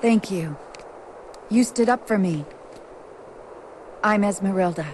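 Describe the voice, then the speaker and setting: A woman's voice: medium pitch, slow pace, a little mellow, lightly acted. An actress playing a proud, kindly young gypsy woman in a video game, composed, frank and defiant. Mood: grateful. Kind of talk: video game cutscene dialogue. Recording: game audio with clear background noise.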